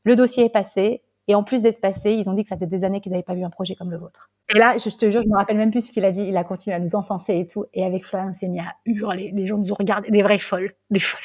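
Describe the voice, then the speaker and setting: A woman guest on a podcast telling an animated, casual story, swearing freely and checking in with the listener. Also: mid-range voice, very fast, few pauses, slightly rough, dull audio. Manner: animated, swears casually, keeps saying "tu vois". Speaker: guest, tea salon founder.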